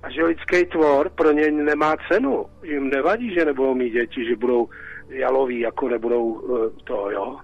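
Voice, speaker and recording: A man's voice: medium pitch, gravelly, lo-fi sound. A Czech man calling in to a radio talk show, talking in an agitated, repetitive way. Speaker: caller.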